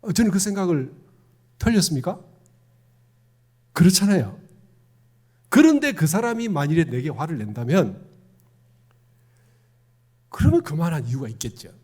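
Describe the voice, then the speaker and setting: A man's voice: fairly high pitch, sing-song, moderate pace, long pauses, warm tone, slightly rough. A middle-aged man with a Gyeongsang accent, a minister giving a conversational sermon and putting questions to the congregation. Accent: Gyeongsang Korean. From Gyeongsang province, Korea. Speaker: Won Buddhist minister.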